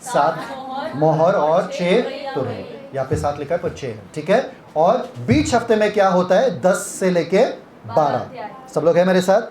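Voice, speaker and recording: A man's voice: sits high, lively intonation, measured pace, a crowd in the background. A man leading a Bible retreat session, teaching interactively and quizzing listeners with repeated questions. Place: retreat hall. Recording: echoey hall.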